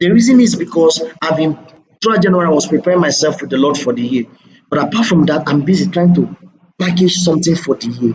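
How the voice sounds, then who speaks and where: This man speaks at a very fast pace with a Nigerian accent. His high pitch carries lively intonation. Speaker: online business coach. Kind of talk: motivational talk. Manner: animated.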